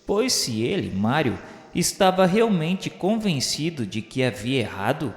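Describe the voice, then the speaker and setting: A man with a Brazilian accent reads a literary radio novel as narrator, in a solemn, formal, measured and earnest way. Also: fairly high pitch, very animated. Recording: echoey hall-like reverb under music. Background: background music.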